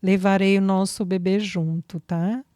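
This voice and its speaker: A woman voicing a tender young woman who is newly pregnant, speaking softly and sweetly with affection. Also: mid-range voice, steady tone, measured pace, no room sound, studio quality, natural voice. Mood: tender, joyful.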